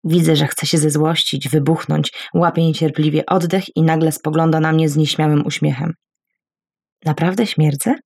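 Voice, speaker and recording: A woman reading a first-person literary story in a quiet, measured, introspective way. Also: low-pitched, level tone, creaky, no echo, clean studio sound. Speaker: audiobook narrator.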